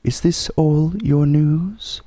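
Guy doing a nasty imperious witch queen, threatening, pitched up, bit raspy, storybook style. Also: fairly even intonation, slow pace, dark tone, no echo. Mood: cruel. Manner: commanding, threatening. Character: cruel, imperious witch queen with terrible temper. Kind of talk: storybook character voice.

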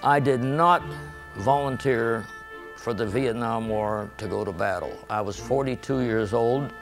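An older man from western Pennsylvania, seated in a studio, recounting his memories in a measured, halting way with many pauses. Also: mid-range voice, music in the background. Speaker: veteran interviewee. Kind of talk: recorded oral history interview. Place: indoor studio with painted backdrop.

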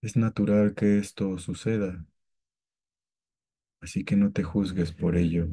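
A man guiding a meditation with calm, gentle, scripted instructions and long pauses between phrases. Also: on the low side, slightly rough. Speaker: meditation guide.

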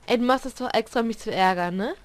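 A woman's voice: fairly high pitch, fast talker. Jumpy young woman reacting to a horror game. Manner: jumpy, exclaims and cusses at the game; talks to the game characters. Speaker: let's player. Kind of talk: blind horror game commentary.

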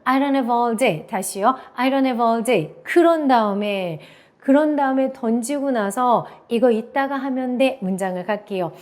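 A middle-aged woman teaching English, who says example phrases slowly and keeps checking in with her listeners. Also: fairly high pitch. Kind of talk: classroom lecture.

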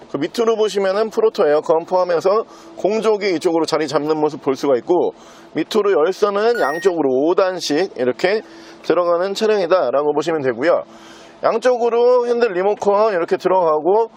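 A man giving a chatty used car salesman's pitch, casually presenting a car and pointing out details as he goes. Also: darkish tone, slight background noise.

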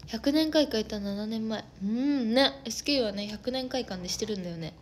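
A woman, chatting casually on an idol livestream, excitable and quick to laugh. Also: on the high side, a little hiss or hum. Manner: giggly, excitable, breaks into laughter. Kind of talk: casual chat.

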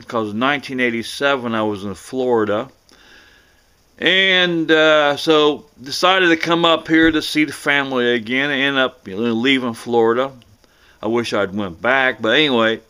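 A middle-aged American man telling a personal story casually to camera in a folksy, halting way, often repeating himself. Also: mid-range voice, sharp tone. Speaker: vlogger.

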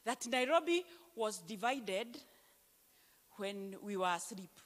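A Kenyan woman pastor preaching a sermon into a handheld mic on a church stage, emphatic and slowing down to read scripture aloud. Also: mid-range voice, lively intonation. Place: church stage, large hall. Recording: long church hall reverb.

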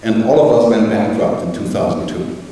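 A man's voice: lowish voice, fairly quick, recorded from a distance, a little hiss or hum. Man giving a keynote in an echoey hall. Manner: animated, gesturing, joking asides. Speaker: keynote speaker. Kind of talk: conference keynote. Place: large conference hall. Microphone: headset mic.

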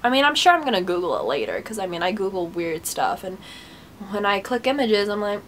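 A woman's voice: mid-range voice, very animated, brisk, a bit bright, a little hiss or hum. A young woman vlogging to her webcam in a small bedroom, sweaty after a run and a bit stuffed up, chatting in an upbeat, encouraging, rambling way. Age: young adult. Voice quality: stuffy nose. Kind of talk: casual motivational chat to camera. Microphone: webcam close up.

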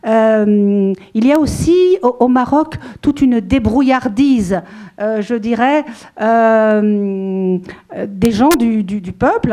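In a small room before a seated audience, a middle-aged French woman chats about her writing at a book event, handheld mic in hand. Her medium-pitched voice is warm. The talk is casual and rambling, with plenty of fillers and restarts.

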